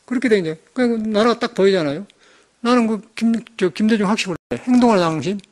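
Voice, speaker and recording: Fast-talking high-voiced monk. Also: male voice, a little mellow. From Jeolla, South Korea. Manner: rambling, emphatic, conversational. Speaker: Buddhist monk. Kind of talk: dharma talk sermon.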